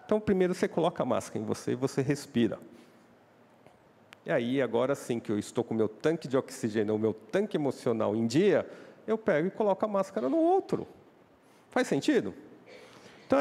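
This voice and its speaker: A man's voice: on the high side, gravelly, warm tone. A Brazilian man preaching a sermon, often asking the congregation questions and acting out quoted voices. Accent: Brazilian Portuguese. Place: church hall. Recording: church hall reverb.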